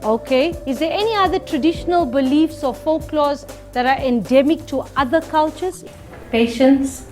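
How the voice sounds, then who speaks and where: High-voiced woman teacher. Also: moderate pace, soft background music. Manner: lively, switching to a playful storyteller persona. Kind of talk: classroom reading lesson.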